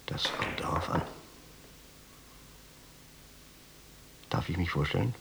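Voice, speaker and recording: An actor playing an insistent, menacing and calculating wealthy jeweler in a radio drama. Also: male voice, low voice, animated, fast talker, vocal fry, in a whisper, heavily acted, poor audio. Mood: quietly insistent.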